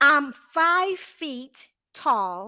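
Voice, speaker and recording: A high-pitched woman projects her raised voice in a bright, sharp tone with very wide pitch swings. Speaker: guest telling a personal story.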